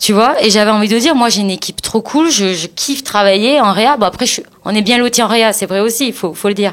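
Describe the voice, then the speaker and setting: A fairly high-voiced woman rattles along very fast while noticeable noise sits in the background. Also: ordinary pitch variation. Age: 30s. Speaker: ICU nurse and cancer patient. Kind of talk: podcast interview. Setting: hospital room. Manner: casual, halting with fillers.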